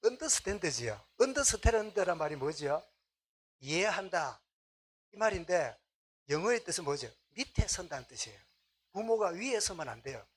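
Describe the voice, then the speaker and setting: Casting: middle-aged male pastor, husky voice, easy conversational sermon. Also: high voice, sing-song, moderate pace.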